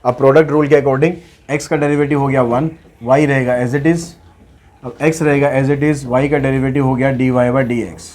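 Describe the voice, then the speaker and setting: A man teaches maths in a medium-pitched, a little mellow voice, solving problems step by step. He questions himself out loud and then gives the answers.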